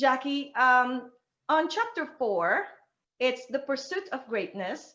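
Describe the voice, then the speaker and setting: Very slowly, a woman speaks in a raised, projected voice, high-pitched with a bright, sharp tone and lively intonation. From Philippines. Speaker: author and event host. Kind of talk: live online book launch interview. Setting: video call.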